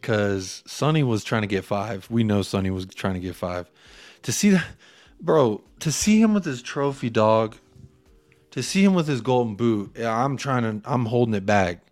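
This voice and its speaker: A married man co-hosting a casual fan podcast, excitable and slangy, often acting out quotes. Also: on the low side, moderate pace, no room sound. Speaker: podcast co-host.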